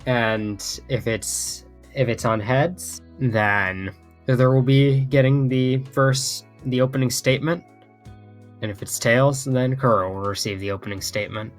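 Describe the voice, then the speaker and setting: A man moderating a casual online debate with a slow, mock-formal announcer manner. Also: medium pitch, fairly even intonation, faint music behind.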